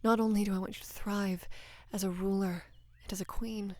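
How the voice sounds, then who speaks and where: A young woman playing a devoted, lovestruck female knight in an intimate roleplay audio, speaking in a hushed, breathy, halting and earnest way. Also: mid-range voice, steady tone, close to an everyday voice. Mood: earnest, worried. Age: young adult. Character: devoted female knight, tender, anxious, in love with queen. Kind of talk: intimate roleplay audio, soft acted monologue.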